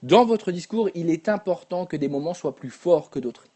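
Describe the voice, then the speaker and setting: A young man coaching public speaking live, talking straight to viewers and demonstrating whispers and shouts. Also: on the high side, animated, normal speed.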